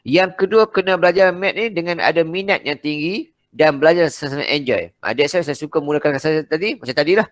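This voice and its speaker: Male maths teacher, Malaysian Malay accent, rapid delivery, slightly high voice, blunt and direct, dry close sound. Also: no echo. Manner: blunt and direct, acts out dialogue with students, peppered with "okey". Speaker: maths teacher giving a seminar. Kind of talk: casual seminar talk to students.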